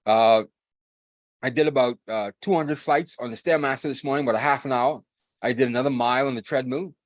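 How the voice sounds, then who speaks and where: A man's voice: medium pitch, brisk, dry recording. A man, hosting a podcast in a hyped, rambling casual chat, repeating himself and laughing often. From Bahamas. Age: 40s. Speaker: podcast host.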